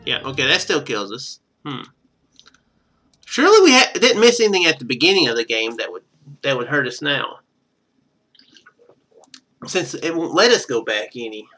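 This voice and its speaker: A man's voice: medium pitch, big pitch swings, moderate pace, pauses often, bright, forceful tone. A man doing casual video game commentary, thinking aloud as he plays.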